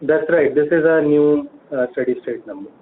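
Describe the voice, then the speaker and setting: A man's voice: fairly high pitch, moderate pace. An Indian-accented man answering financial questions as a company executive on an earnings call. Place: telephone conference call. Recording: phone-like audio with faint noise.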